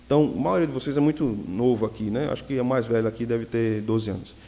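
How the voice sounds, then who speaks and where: A man's voice: medium pitch, fast. A man preaching as a pastor, teaching and telling jokey stories from his own life. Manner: lively storyteller who jokes with the audience. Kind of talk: teaching sermon with personal anecdotes. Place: church hall. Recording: long reverb of a church hall.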